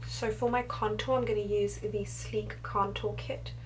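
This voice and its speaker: A woman speaks fairly slowly, with audible room echo around her voice. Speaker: beauty vlogger. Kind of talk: tutorial. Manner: whispering.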